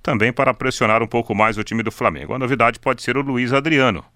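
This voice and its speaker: A man's voice: mid-range voice, fast talker, bright, forceful tone, dry recording, studio quality. A Brazilian man reporting and commenting on football for a sports radio show.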